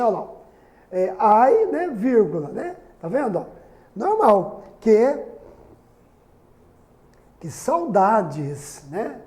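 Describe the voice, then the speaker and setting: A man's voice: sits high, mellow. A Brazilian man teaching a recorded grammar lesson, chatty, with frequent tag questions and fillers. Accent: Brazilian Portuguese.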